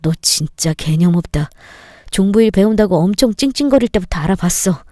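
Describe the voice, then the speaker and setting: A woman's voice: medium pitch, animated, brisk, warm tone, no echo, clean studio sound, natural voice. A woman voicing an angry young husband who scolds his wife with indignant scorn. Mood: scolding.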